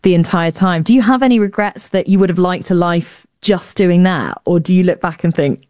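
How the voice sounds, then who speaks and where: A woman interviewing a guest on air, asking measured, thoughtful questions. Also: on the low side, dark tone, dry recording. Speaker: interviewer, radio host.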